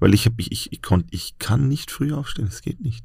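Speaking at a moderate pace, a man with a medium pitch shows vocal fry. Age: 30s. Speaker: stand-up comedian. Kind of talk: casual chat.

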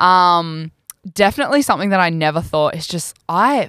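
Recorded with a dry, close sound and no echo, a woman speaks at medium pitch with lively intonation. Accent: Australian. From New South Wales, Australia. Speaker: musician. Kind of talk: casual chat. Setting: studio.

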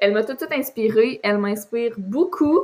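A woman's fairly high voice in a Quebec accent, with ordinary pitch variation. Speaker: podcast host. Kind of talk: casual interview. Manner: slower than usual.

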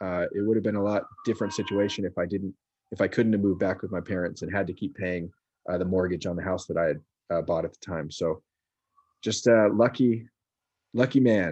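Speaking fairly quickly with an American accent, a man with a fairly low pitch and a dark, mellow tone shows ordinary pitch variation. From US West Coast, Marin County, California. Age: 30s. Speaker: artist. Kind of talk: podcast interview.

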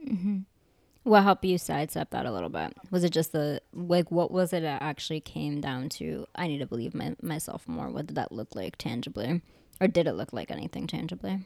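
Recorded with a dry, close sound and no echo, a woman speaks at a fairly quick pace. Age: 20s. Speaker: podcast host. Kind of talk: casual interview chat.

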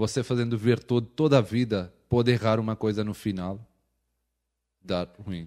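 A man speaks at a moderate pace with a fairly low pitch, a dark, mellow tone and fairly even intonation. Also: very clean recording, silent background. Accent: European Portuguese. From Pakistan. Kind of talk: casual interview about religion. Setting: studio.

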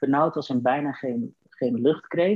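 This man has a fairly high voice and keeps to a moderate pace. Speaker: guest sharing mental health experience. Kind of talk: casual interview. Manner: halting.

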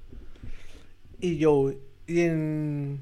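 Fairly high in pitch yet dark and mellow in tone, a man's voice shows ordinary pitch variation. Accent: Mexican. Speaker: podcast co-host. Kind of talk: casual chat. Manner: halting.

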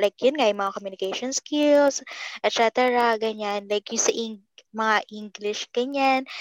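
At a fairly slow pace, a woman speaks with ordinary pitch variation. The sound is dry and close, with no echo. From Marikina, Metro Manila, Philippines. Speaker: podcast co-host. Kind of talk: casual chat.

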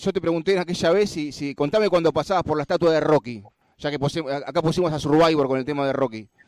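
Talking very fast in a Rioplatense accent, a man with a fairly high pitch and ordinary pitch variation is heard in a very clean recording with a silent background and a dry, close sound with no echo. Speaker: radio host. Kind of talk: radio interview.

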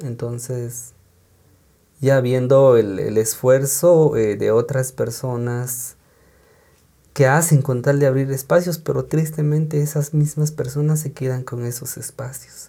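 A man's dark, mellow, somewhat breathy voice, very slow pace and fairly even intonation, in a very clean recording with a silent background. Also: medium pitch for a man. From Guatemala, San Juan Comalapa. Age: 30s. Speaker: poet and youth NGO worker. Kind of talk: interview.

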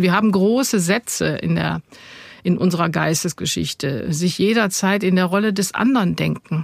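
A woman at medium pitch talks at a moderate pace with vocal fry. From Ruhr area, Germany (Essen). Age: 60s. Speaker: politician and educator. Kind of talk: interview. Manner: hesitant, many fillers.

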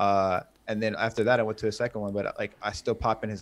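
Fairly low in pitch, a man talks at a fairly quick pace in a monotone, flat intonation. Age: 20s. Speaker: music producer and YouTuber. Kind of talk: casual chat.

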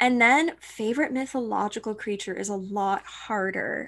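A woman with an American accent has an ordinary speaking voice. Her intonation is fairly even, on a very clean recording with a silent background. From Vermont, US. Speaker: folklore scholar and web series host. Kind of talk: podcast interview.

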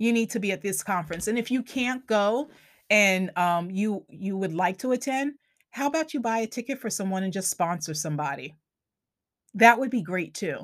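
In a very clean recording with a silent background, a woman with a slight Long Island accent speaks at a medium pitch and moderate pace, her tone upbeat and enthusiastic and her intonation lively. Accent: Long Island New York, slight. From Long Island, New York. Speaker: podcast host, interior designer. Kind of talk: podcast monologue with ad read. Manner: upbeat, enthusiastic.

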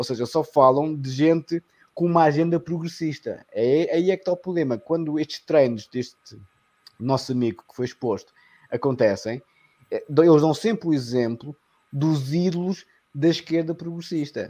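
A man with a European Portuguese accent, fairly high-pitched for a man, at a moderate pace, with a dark, mellow tone, big swings in loudness and ordinary pitch variation. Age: 40s. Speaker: professor and political commentator. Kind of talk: casual chat.

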